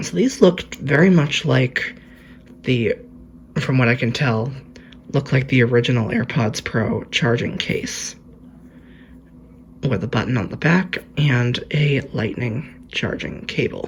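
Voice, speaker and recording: A man's medium-pitched voice with lively intonation, a fairly slow pace and long, frequent pauses, over noticeable background noise. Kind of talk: casual unboxing talk to camera.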